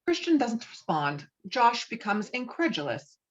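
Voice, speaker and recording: A woman's voice: a little high, sing-song, measured pace, muffled recording. A woman reading stage directions as the narrator of a dramatic script.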